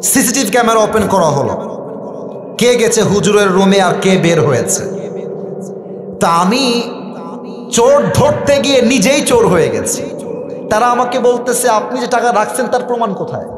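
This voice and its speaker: Man, Bangladeshi accent, Islamic preacher, high voice, dramatic anecdote telling, acted-out dialogue, echoey reverberant hall. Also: sing-song, normal speed, long pauses. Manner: dramatic storytelling, acting out dialogue, sprinkles in English phrases. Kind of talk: sermon-style anecdote telling.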